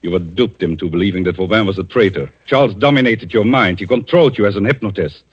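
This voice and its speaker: A man playing a calm, vengeful avenger in a 1940s radio drama, speaking in a measured, theatrical way on a dull old broadcast recording. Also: on the low side, slightly rough. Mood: accusing.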